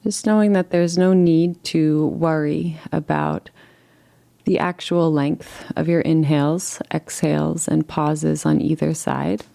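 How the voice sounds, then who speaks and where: A woman leading a guided relaxation meditation in a gentle, soothing, unhurried way, leaving long pauses between phrases. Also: low-pitched, fairly even intonation, creaky.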